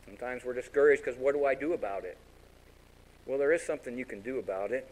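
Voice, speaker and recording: A man's voice: mid-range voice, quick pace, poor audio. A man preaching a sermon as pastor in a folksy, storytelling way. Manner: folksy, animated storytelling with acted-out voices.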